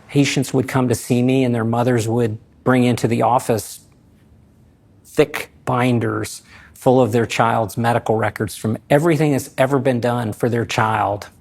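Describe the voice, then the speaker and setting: A man speaking as a physician in a documentary interview, reflective and measured. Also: medium pitch, gravelly, darkish tone, breathy edge. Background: guitar music.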